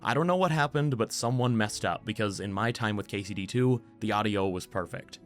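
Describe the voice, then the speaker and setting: A man with a hoarse, worn-out voice from being sick delivers casual game commentary in an upbeat, chatty way. His voice sits fairly low, and faint music plays underneath. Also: brisk. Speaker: gaming YouTuber.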